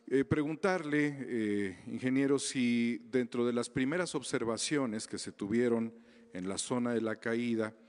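Guy in his 50s asking press questions, handheld mic, roomy hall reverb. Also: medium pitch. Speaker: reporter. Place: large indoor press conference hall. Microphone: handheld microphone.

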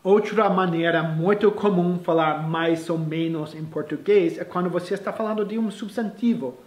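A male English teacher explaining phrases, slowly and with restarts, in a casual lesson. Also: sits high, darkish tone, echoey room.

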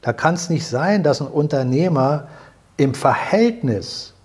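Older male host, earnest explainer, dark husky voice, room-miked. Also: fairly high pitch, expressive, a little slow. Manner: earnest, explanatory, repeats himself while searching for words. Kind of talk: salon conversation. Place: living room with fireplace, indoors.

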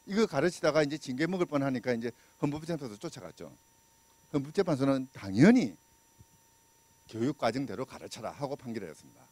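A man's voice: medium pitch, darkish tone, dry recording. A middle-aged man from Busan giving a public law lecture with a handheld mic, talking conversationally and putting questions to the audience. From Busan, South Korea. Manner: conversational, asks the audience questions, many fillers; gestures and walks while talking. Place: small lecture room indoors.

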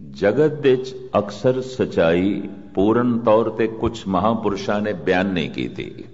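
Older male Sikh preacher, low measured voice, long hall reverb. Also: a little mellow. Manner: slow, measured delivery with chanted scripture quotes. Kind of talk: religious discourse. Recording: muffled archival recording with long reverb.

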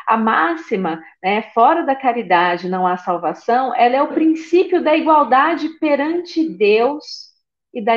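Woman lecturing over a dull video call. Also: medium pitch. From Brazil. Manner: frequent tag questions and repeated phrases, reads passages aloud. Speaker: lecturer at a spiritist center. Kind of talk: religious lecture given online.

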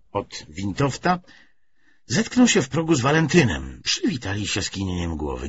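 A man's voice: lowish voice, lo-fi sound, slight background noise. A man narrating a novel as an audiobook, reading from a script.

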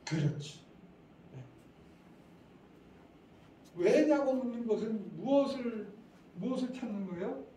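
A middle-aged man leads a talk for parents, tossing quiz questions at the room and chuckling along the way. His voice is mellow and dark. It comes from a distance in an echoey hall with a faint murmur of ambience. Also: sits high, expressive, takes it slowly, long pauses, a little hiss or hum. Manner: chatty, quizzing the audience, chuckling. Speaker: lecturer at parent education session. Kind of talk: interactive lecture to parents.

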